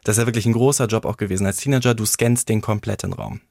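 Brief: male actor, personal storytelling, mid-pitch, dry close sound. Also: fairly even intonation, fast, vocal fry, a little mellow, no room sound. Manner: reflective, tells stories with acted-out quotes. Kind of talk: candid personal conversation.

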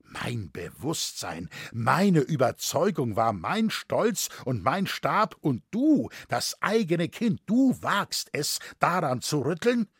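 A man's voice: a little high, sing-song, slow, husky, no echo, clean studio sound, full character voice. A man reading an audiobook, voicing an older, proud and scornful nobleman with harsh outbursts. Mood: furious. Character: old nobleman, grim proud furious chamberlain.

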